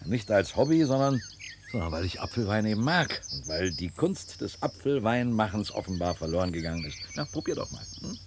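An actor playing a wry, leisurely neighbour in a radio drama, relaxed and mocking in a conversational way. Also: male voice, lowish voice, fairly quick, noisy background. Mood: easygoing. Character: wry, leisurely teasing male neighbour and friend. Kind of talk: 1970s German radio drama acting.

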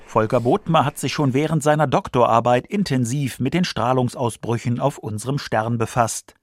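A man's voice: mid-range voice, normal speed, no room sound, clean studio sound. A man reading scripted science documentary narration for a radio feature.

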